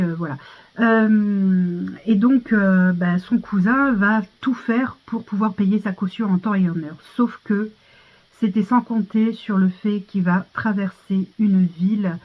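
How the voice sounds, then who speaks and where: A woman with a French accent chatting casually about her monthly favourites, full of fillers and restarts. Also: mid-range voice. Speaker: vlogger reviewing monthly favourites. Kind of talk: casual chat. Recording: tinny phone-like sound.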